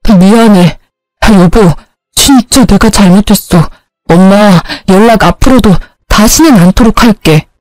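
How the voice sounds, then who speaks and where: A woman's voice: medium pitch, measured pace, a little mellow, no room sound, lightly acted, rough recording. A woman voicing a young husband who pleads tearfully and apologizes. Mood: pleading.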